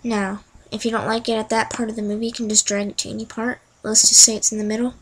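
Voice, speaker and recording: A young woman chatting through each click in a casual screen-recorded software tutorial. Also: a little high, level tone, quick pace, breathy edge, rough recording. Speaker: tutorial narrator.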